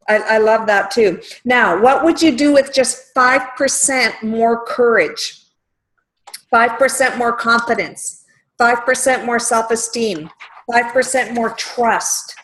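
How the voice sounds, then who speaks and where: A woman's voice: on the high side, a bit bright, rough recording. A woman coach leading a group call, encouraging and talking loosely with fillers and restarts.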